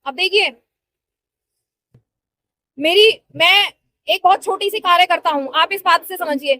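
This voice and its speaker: A woman's voice: very high voice, measured pace, bright, forceful tone, dry recording. A woman in her thirties, a party worker answering interview questions in an earnest, persuasive way. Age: 30s.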